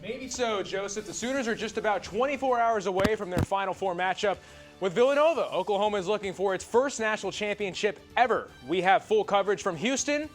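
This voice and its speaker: A man's voice: high voice, fairly quick, faint music behind. A young man anchoring a student sports newscast, reading news in a straight, mock-serious delivery. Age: young adult.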